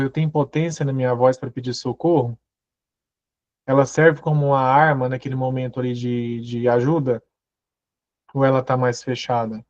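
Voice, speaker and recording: A man's voice: mid-range voice, a little mellow, no echo. A man giving a motivational growth talk, asking the audience question after question. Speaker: personal growth speaker. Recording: dull, muffled audio.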